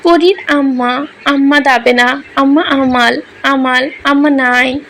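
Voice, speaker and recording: A small grieving girl in a storybook reading, lisping and pleading in broken baby words, voiced by a woman. Her words come slowly and stretched out, pitched a little above the woman reader's already high voice. A faint hush sits underneath. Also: steady tone, a little hiss or hum, exaggerated voice. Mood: tearful pleading. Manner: lisping baby talk, sobbing pleas.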